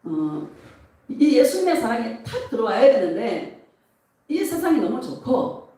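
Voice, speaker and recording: A woman pastor preaching a sermon in a church, emotional and animated, often laughing as she speaks. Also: a little high, measured pace. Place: church sanctuary. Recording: echoey church hall, mic at a distance.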